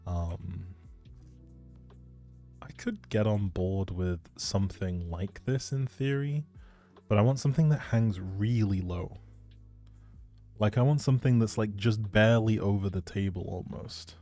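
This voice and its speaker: A man's voice: on the low side, measured pace, pauses often, dark tone, soft background music. A man chatting casually to viewers on a game livestream, musing aloud as he plays. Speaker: game streamer. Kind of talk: casual livestream chat while playing a life-simulation game.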